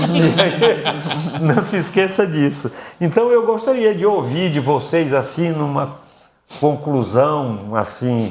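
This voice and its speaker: Amid noticeable background noise and audible room echo, a man speaks at a very slow pace in a fairly high pitch with very wide pitch swings. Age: 60s. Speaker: pastor and TV show host.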